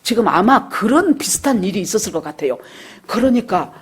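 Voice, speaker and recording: Husky-voiced woman pastor preaching. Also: medium pitch, big pitch swings, fast. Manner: storytelling, acting out quoted dialogue. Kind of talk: sermon. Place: church service.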